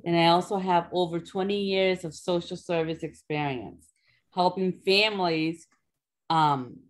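A woman's voice: on the low side, measured pace. A woman answering a question on a group video call, earnest and a little hesitant. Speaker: participant.

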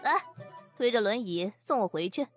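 A woman's voice: medium pitch, animated, moderate pace, soft background music, natural voice. A woman playing a bad-tempered, domineering young rich woman in a wheelchair, in an audiobook drama. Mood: threatening, commanding. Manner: domineering, scornful, commanding.

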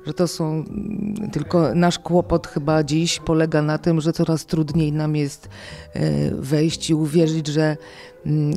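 Woman in her forties, slow pace, gravelly fry, reflective, halting. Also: low-pitched, mellow. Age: 40s. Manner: halting, thoughtful. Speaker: actress. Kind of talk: reflective interview talk. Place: indoor corridor. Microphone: handheld reporter microphone.

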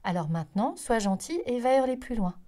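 Lady doing a bossy know-it-all pig from a kids' book, high and pushy. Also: big pitch swings, brisk, mellow. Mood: patronizing. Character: bossy, chatty farm pig who reads.

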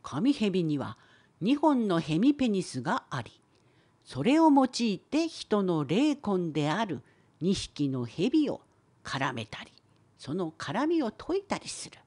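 A woman plays a wise old scholar in an educational cartoon, creaky and husky. The pitch sits fairly low but swings very widely. The delivery is unhurried and slow, a patient, wry, opinionated lecture. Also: very animated, a little mellow, full character voice. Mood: explaining. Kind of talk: scripted educational cartoon dialogue.

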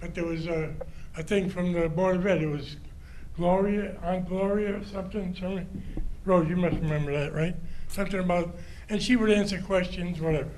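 An older man speaking as a citizen at a public comment microphone in a large council chamber, friendly and halting, with many restarts. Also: high voice, fairly even intonation, a little mellow. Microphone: standing microphone. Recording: roomy hall sound, faint hum.

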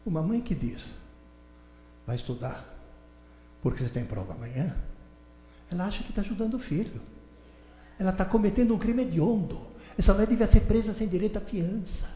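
A man in his seventies giving an animated lecture on a stage, telling stories with mimicked voices and indignant outbursts. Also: sits high, fairly quick, long pauses, a little hiss or hum. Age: 70s. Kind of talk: animated lecture to a seminar audience. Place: large hall with a stage. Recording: echoey hall recorded from far off.

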